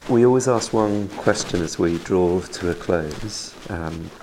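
A man's voice: low voice, a little slow, dark tone, slight background noise, poor audio. A man interviewing a guest on a podcast in a conversational style.

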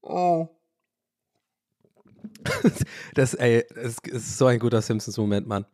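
A man hosting a podcast, talking in a rambling, animated way, often interrupting himself and laughing. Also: medium pitch, fairly quick, no room sound, studio quality. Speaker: podcast host. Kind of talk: casual podcast monologue.

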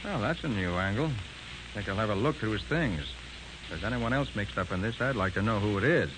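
Confident, commanding male detective played by an actor, lively mid-range voice, 1940s radio crime drama, hissy recording. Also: fairly low pitch, a little fast, close to an everyday voice. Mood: thoughtful.

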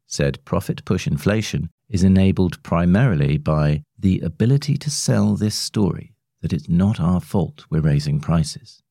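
A man reads a long-form article as a scripted narrator. His voice is deep, with a creaky edge and a bright, forward tone, recorded close and dry. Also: no echo. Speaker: narrator of a magazine long read.

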